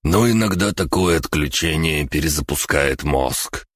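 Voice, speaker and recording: A man doing a gruff old hermit. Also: a bass voice, animated, unhurried, no echo, studio quality, heavily acted. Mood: grumbling. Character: gruff old male hermit, blunt and grumbling.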